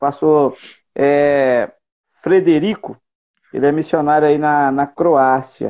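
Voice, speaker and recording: Over a quiet background, a man talks very slowly in a dark, mellow tone. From Vale do Paraíba, São Paulo state, Brazil; São Paulo state, Brazil. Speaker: church association director and youth leader; interviewer, youth ministry host. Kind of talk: casual live-stream interview. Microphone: video call.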